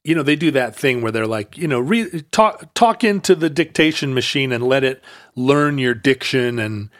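A man co-hosting a podcast in casual conversation, talking haltingly with many restarts and fillers. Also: mid-range voice, lively intonation, dry recording, studio quality. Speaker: podcast co-host.

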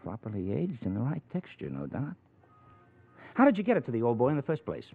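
Through the thin band of a vintage radio broadcast comes a cocky American ex-convict. He swings freely up and down in pitch, flirting and needling with slangy, sardonic wisecracks. It is 1940s crime drama, opportunistic and streetwise. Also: wildly swooping pitch, brisk, vocal fry, breathy edge, soft background music, heavily acted. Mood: sly, triumphant. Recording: muffled narrow-band old radio recording.

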